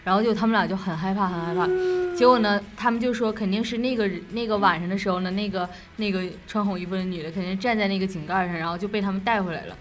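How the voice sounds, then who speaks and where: A woman's voice: mid-range voice, fast. A young woman with a Northeastern Chinese accent co-hosts a late-night show, telling ghost stories in a casual, rambling, repetitive way. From Northeast China.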